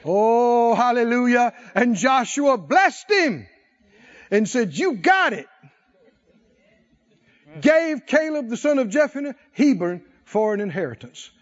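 A man's voice: extremely high pitch, very animated, a little slow, lo-fi sound. A man preaching a sermon in a church, telling the story in a folksy way and calling for responses from the congregation. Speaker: pastor.

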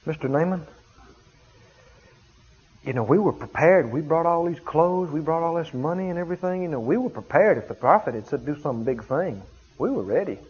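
A preacher voicing a coaxing servant, high and husky. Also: male voice, expressive, moderate pace, darkish tone. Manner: coaxing, casual persuading. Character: deferential male aide to a dignitary. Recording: dull lo-fi sound.

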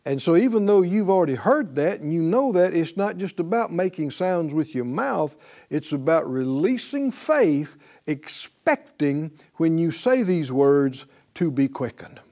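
A man preaching to his congregation, his high voice leaping up and down with lively swings of pitch. He takes his time, hammering phrases through repetition and calling for the crowd to answer back. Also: measured pace. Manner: exhorting, call-and-response with congregation; repeats phrases for emphasis. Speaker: pastor. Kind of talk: sermon.

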